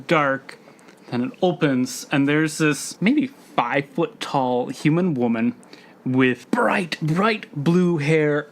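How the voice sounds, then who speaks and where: A woman narrating a tabletop roleplaying game as game master, describing scenes and characters. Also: low-pitched.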